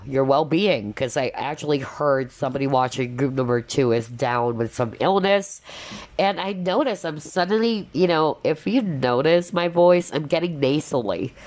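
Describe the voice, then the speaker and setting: A woman's voice: very deep voice, a little slow, a little mellow. A woman reading tarot cards in a casual, spiritual style, often checking in with little tags like okay and all right. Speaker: tarot card reader, host.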